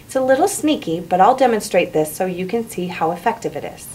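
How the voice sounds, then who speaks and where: A woman speaks as a teacher, with clear and encouraging instruction. Her mid-pitched voice carries in a roomy space, over faint background noise. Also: expressive, a little fast, a little mellow. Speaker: English teacher. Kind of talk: instructional narration and classroom teaching.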